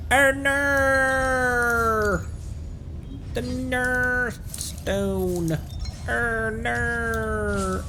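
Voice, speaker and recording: A man's voice: high voice, sharp tone, a little hiss or hum. A man doing casual, playful gameplay livestream commentary, goofy, sweary and given to silly little noises. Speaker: streamer playing a video game. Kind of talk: casual gameplay livestream commentary, reading game text aloud.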